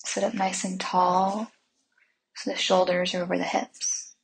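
A woman leading a Christian guided meditation in a soft, breathy voice, soothing and unhurried, with gentle instructions and long pauses. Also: lowish voice, flat delivery, a little hiss or hum, rough recording.

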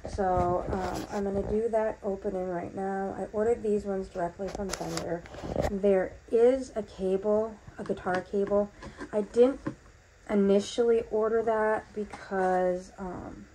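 A woman's voice: medium pitch, steady tone, measured pace, background noise. A woman casually narrating a home unboxing in a bathroom, rambling with lots of ums, her voice still recovering from being lost. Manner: chatty, rambling with many ums. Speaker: vlogger.

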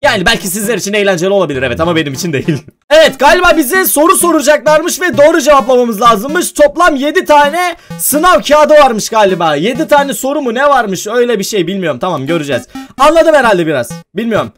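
High, lively young Turkish gamer man. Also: quick pace, soft background music. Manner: jumpy, talks to viewers, yelps when scared. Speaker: gaming YouTuber. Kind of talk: casual let's-play commentary.

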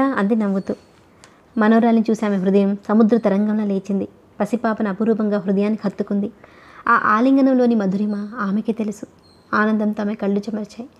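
A woman narrating a novel as an audiobook reader, in a steady, even storytelling manner. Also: medium pitch, lo-fi sound.

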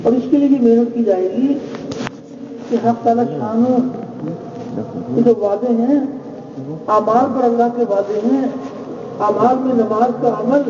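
A man preaching a sermon, measured and exhorting, repeating key phrases. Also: very high voice, fairly even intonation. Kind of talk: religious sermon. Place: large gathering space. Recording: echoey, distant, dull lo-fi with faint noise.

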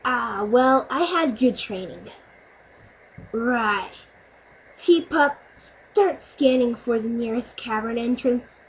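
A woman's voice: fairly high pitch, lively intonation, takes it slowly. A woman voicing a young boy fox, an eager, clever and plucky inventor, in an amateur cartoon demo reading. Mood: confident. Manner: earnest, plucky, exclamatory. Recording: muffled home recording with faint noise.

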